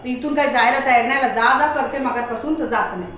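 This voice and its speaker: A high-pitched woman talking to her dog in a home kitchen, coaxing and then scolding in a lively, chatty way. The voice sits at a distance from the mic in a very echoey room, with a faint hiss of noise behind her. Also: fast. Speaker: vlogger and pet owner.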